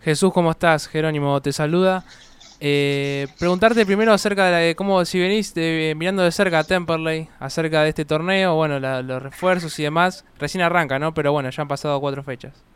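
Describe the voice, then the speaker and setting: A man with a Rioplatense accent asking questions as radio co-host, loud and emphatic, away from the mic. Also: fairly high pitch, fairly even intonation, fairly quick, clean tone. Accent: Rioplatense Spanish. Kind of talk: radio interview.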